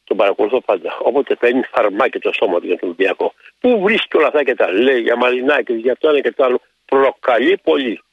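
A man phoning in to a radio show, speaking with indignation and emphasis, his gravelly, husky voice rising and falling in a lively way. He repeats his points. The call sounds dry and dull, as if over a phone line. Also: medium pitch, no room sound. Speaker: caller.

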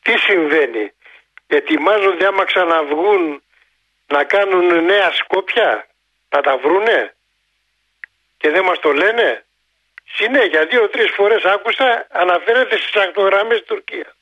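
A man's voice: high voice, pauses often. An older man calling in to a radio show, questioning and suspicious, repeating his points. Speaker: caller. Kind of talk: call-in radio talk. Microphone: telephone line. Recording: dull phone-line call.

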